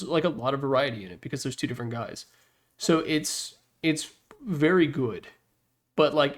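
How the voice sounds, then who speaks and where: Casual, rambling man doing gaming commentary. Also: medium pitch. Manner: rambling, jokey, self-deprecating. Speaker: gaming video host. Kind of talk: casual unscripted tier-list commentary.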